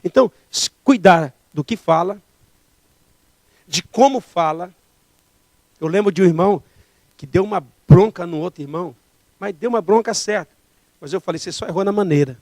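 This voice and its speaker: A man's voice: high-pitched, moderate pace, pauses often, darkish tone, no room sound. A man preaching a sermon as pastor, emphatic and full of rhetorical questions.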